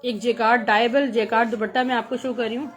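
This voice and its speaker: A woman with a Pakistani accent giving a live sales pitch for clothes in chatty teleshopping patter, repeating her praise and prices. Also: little pitch movement, fast, soft background music. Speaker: live online clothing seller.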